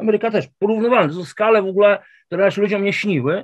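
The man speaks at a high pitch. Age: 50s. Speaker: political commentator. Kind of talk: political discussion. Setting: studio.

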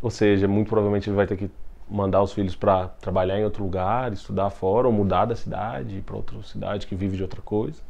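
Here a man talks at a fairly quick pace. His pitch is fairly low. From Brazil, Minas Gerais. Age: 20s. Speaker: journalist and photographer; journalist. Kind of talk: interview testimony. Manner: casual, hesitant with fillers. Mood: moved, reflective storytelling. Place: home room.

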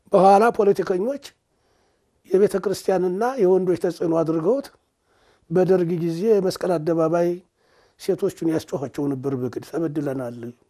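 Over a quiet background, a man talks in a high pitch with a dark, mellow tone and ordinary pitch variation. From Ethiopia, Bulga area; Ethiopia. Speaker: Orthodox church scholar and teacher; teacher. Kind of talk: interview about his life. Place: home room. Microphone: lapel.

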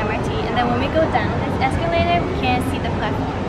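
Music sits in the background while a woman speaks at a fairly quick clip. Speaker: travel guide host. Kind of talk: casual vlog tutorial. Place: station. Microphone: camera far.

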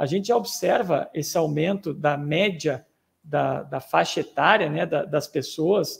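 Vocal fry at a very slow pace, with ordinary pitch variation. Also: man, fairly high pitch for a man. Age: 40s. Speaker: exercise physiologist hosting online health talk. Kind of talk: live online talk.

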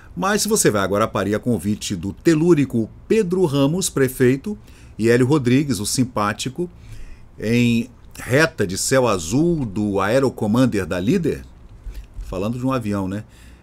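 Speaking at a fairly slow pace, a man at a medium pitch makes very wide pitch swings. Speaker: local history channel host. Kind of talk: casual commentary with reading of an old magazine article. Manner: chatty, informal, with many fillers. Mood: enthusiastic, admiring. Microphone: webcam.

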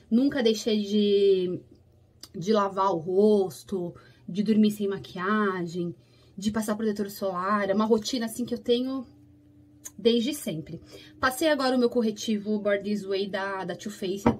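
A woman speaks at a fairly slow pace, somewhat breathy, with ordinary pitch variation. Long, frequent pauses break up her speech. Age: 30s. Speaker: lifestyle vlogger. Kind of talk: casual vlog. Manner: animated. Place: home room. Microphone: phone near.

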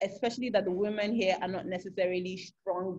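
Against a quiet background, someone with an American accent talks at a fairly quick pace with ordinary pitch variation. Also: woman. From Nigeria, Lagos. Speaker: market research entrepreneur. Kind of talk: interview. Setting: video call. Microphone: video call.

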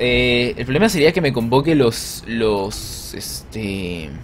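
Light background noise can be heard. A man is doing the talking. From Peru. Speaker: video game streamer. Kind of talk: live gameplay commentary. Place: home room.

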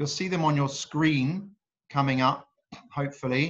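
Here a man speaks in a plain, everyday voice. His pitch is fairly high and his pace moderate. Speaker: meeting organizer and moderator. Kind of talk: virtual meeting moderation. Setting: video call.

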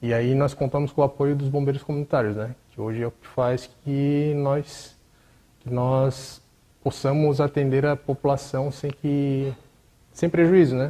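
A somewhat breathy man speaks fairly slowly in a flat monotone, his loudness swinging widely. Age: 30s. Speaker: fire brigade commander. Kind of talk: interview. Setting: studio. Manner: halting. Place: studio. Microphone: lapel.

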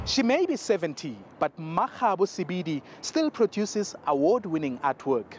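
Very wide pitch swings at a moderate pace, with a dry sound free of echo and light background noise. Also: man. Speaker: TV news reporter. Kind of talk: TV news feature narration. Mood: warm, upbeat. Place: studio.

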